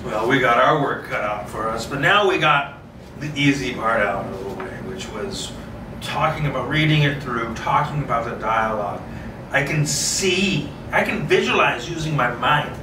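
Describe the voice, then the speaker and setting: As a solo host and script reader, a man chats casually and reads a screenplay aloud in a rambling way, often repeating himself. His mid-range voice has lively intonation and a moderate pace, captured on a distant mic in a roomy, clearly noisy space.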